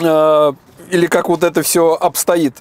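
Dry and close with no echo, this recording features a man. His pitch is high. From Russia, Tula region. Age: 30s. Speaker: car owner giving a review. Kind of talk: casual interview.

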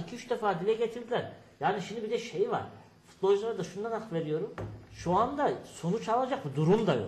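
A man's high-pitched voice carries audible room echo with light background noise behind it. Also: ordinary pitch variation, fairly quick pace. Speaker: football commentator. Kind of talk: sports panel discussion. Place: studio.

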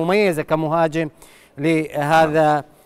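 Over a quiet background, a man speaks in a high pitch. His intonation is monotone and flat. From Iraq. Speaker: TV sports presenter; TV presenter. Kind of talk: TV sports show presenting. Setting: TV studio. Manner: formal. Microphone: lapel.

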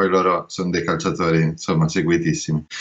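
There is a man speaking at a fairly quick pace. The background is quiet. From Sicily, Italy. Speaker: street artist. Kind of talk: interview. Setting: video call from Barcelona. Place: home room. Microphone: video call.

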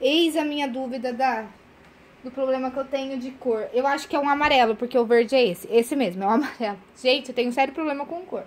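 Over light background noise, a woman speaks at a moderate pace in a high pitch for a woman, with ordinary pitch variation. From Brazil, Campinas (São Paulo state). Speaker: sewing and fashion YouTuber. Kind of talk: product haul video tutorial. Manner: animated. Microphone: phone near.

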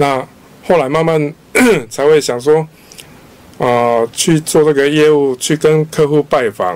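Very slow speech in a Taiwanese accent, with ordinary pitch variation and long, frequent pauses. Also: man, fairly high pitch for a man. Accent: Taiwanese Mandarin. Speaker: spa business manager. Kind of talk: radio interview. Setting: radio studio. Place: studio.

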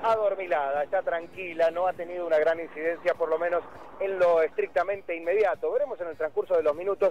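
With fairly even intonation, this man talks at a fairly quick pace in a high pitch, the sound dry with no echo and only light background noise. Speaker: radio field reporter. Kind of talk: live news report. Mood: calm, relaxed. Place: street. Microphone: handheld.

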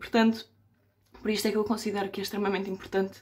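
This woman speaks with a fairly high pitch. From Colombia. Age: 20s. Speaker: law student and victim support volunteer. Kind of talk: testimony; personal testimony. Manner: hesitant, with frequent fillers. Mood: earnest, grateful. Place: home room. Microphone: webcam.

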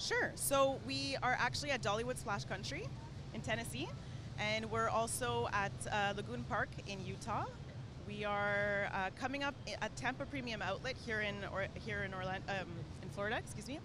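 A woman talks at a moderate pace, the sound dry with no echo and noticeable background noise behind her. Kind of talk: interview answer. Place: hall. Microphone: handheld.

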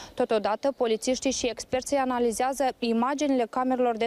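A woman talks fairly quickly at a high pitch. Her intonation is fairly even, and the sound is dry with no echo. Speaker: TV news reporter. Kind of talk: news report. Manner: formal. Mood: serious, measured. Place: street. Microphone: handheld.

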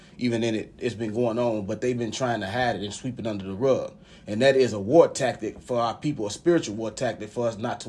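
At a fairly quick pace, the man gets through his words. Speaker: scripture reader for religious organization. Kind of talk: reading aloud. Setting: studio. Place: studio. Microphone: studio mic.

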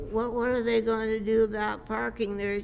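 Audible room echo surrounds a woman's fairly high voice. Her intonation is monotone and flat. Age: 80s+. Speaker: resident speaking at public meeting. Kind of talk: public comment.

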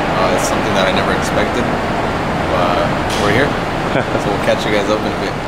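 A man is speaking. Loud background noise is heard behind him. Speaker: vlogger. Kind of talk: casual vlog chat. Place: street. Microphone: phone near.

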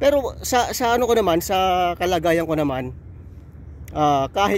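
A man talks at a fairly quick pace with lively intonation. The sound is dry with no echo, with light background noise. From Philippines. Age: 40s. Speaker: overseas Filipino worker vlogger. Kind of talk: casual monologue vlog. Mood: reflective, earnest advice. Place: open country. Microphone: phone near.

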